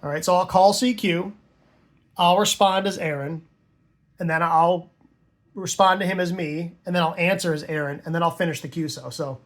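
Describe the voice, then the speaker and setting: A man's voice: fairly high pitch, steady tone, moderate pace. A man explaining radio operating lingo in an informal, conversational tutorial style, with casual asides. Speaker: amateur radio instructor and operator.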